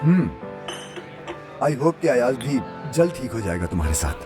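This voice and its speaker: A man dubbing a relaxed, friendly young man. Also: medium pitch, moderate pace, natural voice. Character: easygoing young man on the phone. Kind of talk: dubbed TV drama acting. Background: background music.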